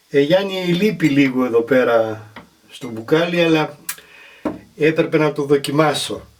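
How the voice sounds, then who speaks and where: Fairly high in pitch, a man speaks at a very slow pace with ordinary pitch variation. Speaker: cooking channel host. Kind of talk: cooking tutorial.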